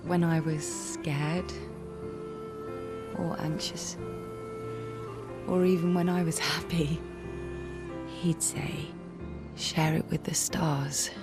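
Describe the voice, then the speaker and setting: A slow, gentle, wistful young woman. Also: sits low, little pitch movement, over loud music. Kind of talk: video game cutscene acting. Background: orchestral game score.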